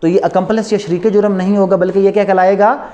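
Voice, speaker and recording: A man's voice: sits high, fairly even intonation, fast, dark tone, dull audio. A man with a Pakistani accent giving a law lecture in a didactic way, posing rhetorical questions and answering them himself.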